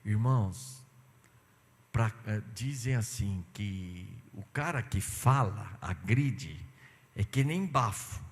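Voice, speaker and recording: A man, a pastor, giving an animated sermon and telling stories, acting out dialogue. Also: on the low side, slow. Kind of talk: sermon with personal anecdotes. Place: church sanctuary. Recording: long church hall reverb.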